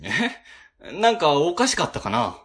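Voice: mid-range voice, big pitch swings, a little slow. An actor playing a timid, easily frightened section chief who stammers, in an amateur web radio drama. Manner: stammering, jumpy.

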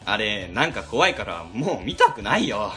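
A man playing an excitable, good-hearted office team leader with an eager manner in an amateur radio drama. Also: on the low side, normal speed, soft background music. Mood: relieved, warm. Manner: eager, expressive.

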